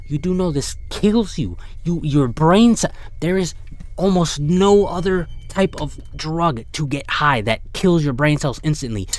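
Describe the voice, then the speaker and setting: A man's voice: on the high side, expressive, measured pace, no echo. A man giving casual, slangy reaction commentary as a video host, sounding incredulous and partly reading text aloud. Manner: slangy, incredulous, often addressing viewer as bro.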